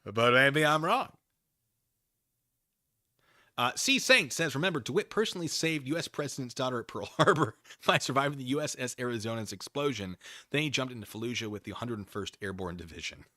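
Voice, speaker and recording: A man's voice: mid-range voice, expressive, a little fast, bright, forceful tone, no room sound, clean studio sound. A man hosting a livestream in casual chat, rambling wryly as he reads and answers viewers and acts out imagined exchanges.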